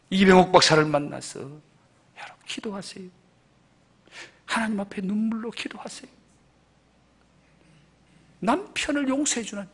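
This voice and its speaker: A Korean senior pastor preaching a Sunday sermon with passion, repeating phrases and swinging from loud emphasis to near whispers. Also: male voice, very high-pitched, breathy edge. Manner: impassioned preaching, rises loud then drops to near whispers.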